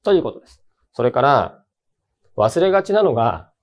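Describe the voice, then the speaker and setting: A male teacher explains English grammar to exam students in a relaxed, slangy way. His pitch jumps around a lot as he stresses key points, and his voice sits at an ordinary middle height. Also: normal speed, noisy background. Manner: lively, colloquial, emphatic. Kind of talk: casual exam-prep lecture.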